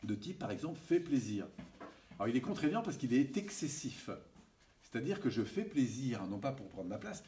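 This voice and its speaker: Man lecturing, very expressive pitch, checks in with audience, distant mic, faint hiss. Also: brisk. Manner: animated, checks in with audience often. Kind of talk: seminar lecture.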